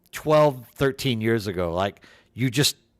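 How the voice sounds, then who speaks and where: In a very clean recording with a silent background, a man talks at a moderate pace. He has an American accent and lively intonation. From East Texas (Houston). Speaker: live streamer. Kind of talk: casual chat. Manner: halting.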